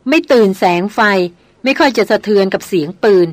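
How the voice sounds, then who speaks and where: Woman reading a steady old-hand hunting guide guy, slow plain talk, dry sound. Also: medium pitch, no room sound. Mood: calm. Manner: plain, unhurried report. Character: calm, seasoned male jungle hunter guide.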